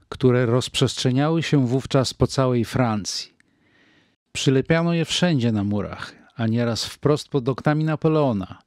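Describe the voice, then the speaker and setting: An older man reading a wartime diary aloud in a measured, grave manner, with deliberate pauses. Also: medium pitch, a little mellow, no room sound, studio quality. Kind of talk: slow reflective diary reading.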